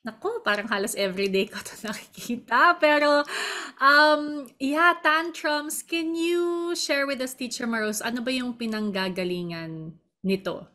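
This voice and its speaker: A woman hosting an interview, asking lively questions and mixing Tagalog and English. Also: high voice, measured pace. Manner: lively, asks questions, acts out examples, mixes Tagalog and English. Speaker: host.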